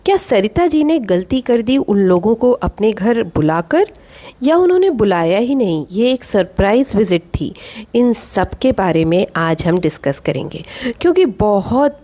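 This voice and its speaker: A woman's voice: medium pitch, a little mellow. A woman hosting a commentary vlog, talking in a chatty, opinionated way and asking rhetorical questions. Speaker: vlog host reviewing other vloggers.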